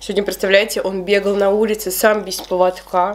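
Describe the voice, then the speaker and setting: Here is a woman's voice. She speaks at a fairly slow pace. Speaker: food vlogger. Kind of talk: casual vlog chat. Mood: relaxed, friendly. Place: home room.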